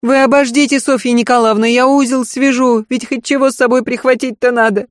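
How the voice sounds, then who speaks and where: High, hurried wailing maidservant, folksy, fussing, a woman doing the voice, dry. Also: steady tone, dry recording, natural voice. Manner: wailing, rapid, folksy lamenting. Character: fussy tearful peasant maidservant, middle-aged woman.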